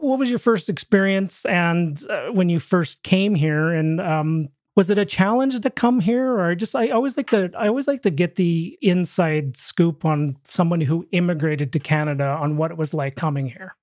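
A man's voice: on the high side, a little mellow, no room sound. Rambling, jokey male host, dry sound. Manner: rambling, stumbling restarts, jokey. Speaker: podcast host. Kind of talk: casual interview chat.

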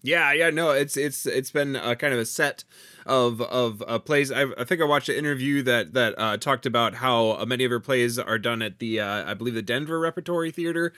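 A man co-hosting a casual theater podcast, talking haltingly with lots of restarts and a slight gravel in his voice. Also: mid-range voice, sharp tone, dry recording, studio quality. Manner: halting, many fillers and restarts, riffing. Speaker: podcast co-host. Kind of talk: casual podcast chat and patron thanks.

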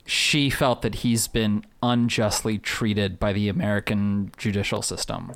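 A man guesting on a podcast in casual chat, deadpan with provocative jokes. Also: lowish voice, measured pace, creaky.

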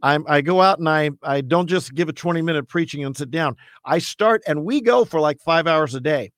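A man who is a campus evangelist, talking as a radio interview guest in a loud, earnest, emphatic preacher's voice, often restarting his sentences. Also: a little high, a little fast, dry recording, studio quality.

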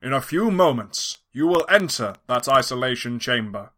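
A man voicing a pompous, nerdy mad scientist man who speaks in slow, grandiose proclamations. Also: medium pitch, lively intonation, fairly bright tone, natural voice.

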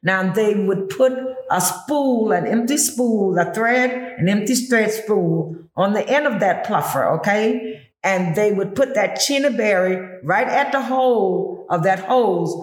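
A woman's voice: mid-range voice, measured pace, reverberant, poor audio. A woman whose first language is Gullah, with a Southern Black Gullah Geechee accent, explaining things instructively as a tour guide in conversation. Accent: Gullah Geechee, Southern Black American. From Gullah Geechee community of Pinpoint, coastal southern US. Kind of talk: explanatory interview talk.

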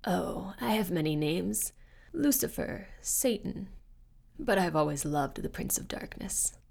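Woman putting on a raspy, whispering devil. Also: on the low side, animated, measured pace, exaggerated voice. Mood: gloating menace. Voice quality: thick, raspy. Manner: taunting, drops to hushed whispers. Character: menacing male devil, raspy and mocking.

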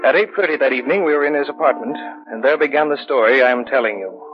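A man's voice: medium pitch, fast talker, muffled recording, music in the background. An actor playing an earnest married man who narrates his own story in a 1950s radio drama, heard on an old radio broadcast recording. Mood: recounting. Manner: earnest, curious.

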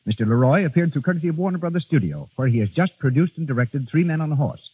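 Old-time radio announcer, male, rapid-fire credit reading, slightly high voice, muffled vintage broadcast quality. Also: lively intonation. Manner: brisk, crisp read credits. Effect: old radio show broadcast sound. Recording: dull lo-fi old radio recording.

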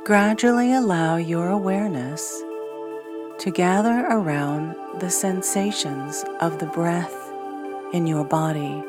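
Slow, soft-spoken woman guiding meditation over music. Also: on the low side. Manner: gentle, soothing, soft-spoken delivery with long pauses. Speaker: meditation guide. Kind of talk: scripted guided meditation narration. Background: new-age music.

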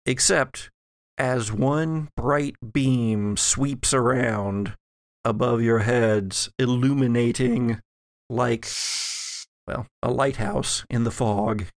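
A man acting as game master, improvising atmospheric narration of a tabletop game in deliberate phrases with many pauses. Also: medium pitch, creaky, no room sound, studio quality. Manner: slow, deliberate, pausing between phrases.

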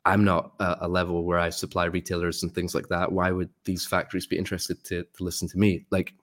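A man's voice: sits low, completely flat delivery, a little fast, fairly bright tone. A man from Scotland, a guest in a casual interview, explaining things in friendly, upbeat lists. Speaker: guest, sourcing expert.

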